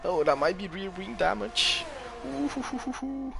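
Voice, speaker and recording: A man doing live commentary on a sim race, his voice jumping up with excitement whenever the action picks up. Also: sits high, normal speed, gravelly, music in the background, poor audio.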